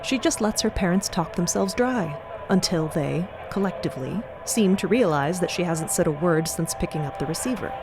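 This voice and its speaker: Measured woman narrator over music. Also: fairly low pitch, lively intonation, poor audio. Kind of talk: scripted dramatic narration.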